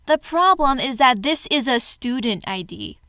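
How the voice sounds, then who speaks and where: A woman's voice: sits high, lively intonation, normal speed, bright, forceful tone, dry recording, clean studio sound, full character voice. A woman playing a stubborn, dismissive poll worker who argues with voters in a readers theater piece. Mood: condescending. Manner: dismissive, argumentative. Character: stubborn, officious female poll worker turning voters away. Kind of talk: staged readers theater acting.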